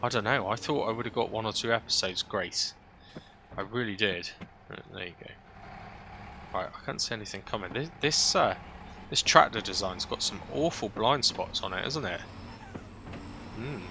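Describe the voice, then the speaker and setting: Low, bright-voiced British man, chatty gaming commentary. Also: moderate pace, gravelly, long pauses. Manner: chatty, self-questioning with tag questions. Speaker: gaming video host. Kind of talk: casual gameplay commentary, thinking aloud. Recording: noisy, vehicle-like engine ambience.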